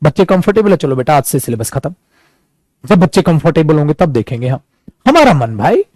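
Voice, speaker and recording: A man's voice: a little high, very animated, a little fast, darkish tone, no echo. A man teaching an online English lesson in a chatty way, calling his students "beta" and acting out examples. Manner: acts out examples.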